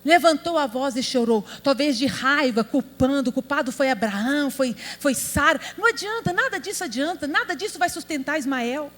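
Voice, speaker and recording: Woman pastor, high voice, emphatic sermon delivery, convention hall reverb with a faint hum. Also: animated, normal speed, hardly any pauses, fairly bright tone. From Brazil. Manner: emphatic, rhetorical questions to the audience.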